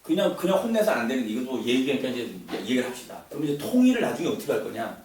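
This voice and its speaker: A man's voice: mid-range voice, very animated, racing, darkish tone. A man giving a casual lecture to an audience, talking conversationally with frequent fillers and repeated words. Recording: very echoey room, distant mic, faint noise.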